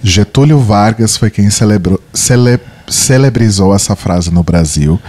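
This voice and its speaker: A man's voice: fairly low pitch, measured pace. A young man from Brazil with a cold, co-hosting a podcast in playful, chatty talk and reading listener emails aloud. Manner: playful, chatty, reads at a steady pace. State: has a cold. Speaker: podcast co-host.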